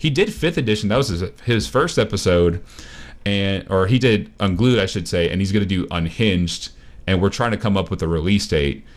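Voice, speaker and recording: A man with an ordinary speaking voice talks at a fairly quick pace, his pitch fairly low. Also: ordinary pitch variation. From US South. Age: 20s. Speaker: YouTube content creator. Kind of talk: casual chat.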